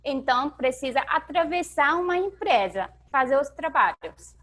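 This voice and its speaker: A woman from China with a Chinese accent, speaking as a guest after giving her testimony, with brief, soft replies. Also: sits high, expressive, moderate pace.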